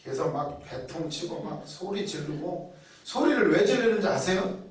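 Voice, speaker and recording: A man with a high, expressive voice preaches a chatty sermon at normal speed, posing rhetorical questions and acting out people's inner thoughts. The room is very echoey, and he's heard from a distance.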